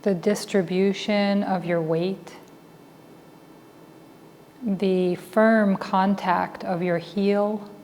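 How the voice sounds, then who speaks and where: A woman leading a guided meditation as a teacher, speaking calmly and deliberately in short phrases with long pauses. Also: medium pitch. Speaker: meditation teacher and Buddhist chaplain. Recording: reverberant hall with faint background noise.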